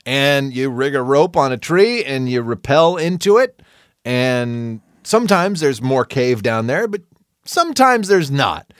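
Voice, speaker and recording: A man co-hosting a casual podcast chat. His pitch swings widely as he tells a story and acts out what other people said. He laughs often, and the sound is dry and close. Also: sing-song, unhurried, no echo. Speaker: podcast co-host.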